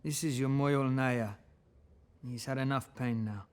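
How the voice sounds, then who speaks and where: A man's voice: mid-range voice, fairly even intonation, a little slow, darkish tone, clean tone, close to an everyday voice. A man playing a wise old tribal elder, firm and fatherly, at a table read of a fantasy drama.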